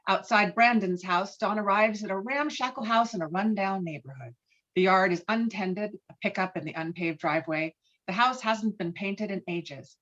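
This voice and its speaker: The audio is muffled and a little lo-fi. A woman narrates a script, reading scene headings and stage directions in a mid-pitched voice. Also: normal speed, fairly bright tone.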